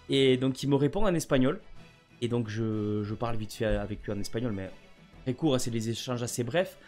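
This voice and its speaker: French guy vlogging at home, stumbles and repeats himself a lot, faint music behind. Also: medium pitch. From France. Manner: rambling, stammering, repeats words. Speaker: gaming vlogger. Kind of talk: casual chat to camera.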